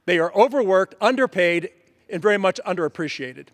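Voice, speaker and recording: A man with a notably high voice delivers an earnest floor speech at a podium microphone in a large legislative chamber. He presses his point insistently and slips into quoted back-and-forth with constituents. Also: animated, a little fast. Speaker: congressman.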